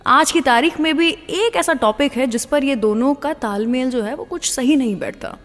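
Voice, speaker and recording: A woman with an Indian accent presents a music radio show in a fairly high voice. She tells stories conversationally and slips in English phrases. Her voice carries a long, hall-like reverb. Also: normal speed.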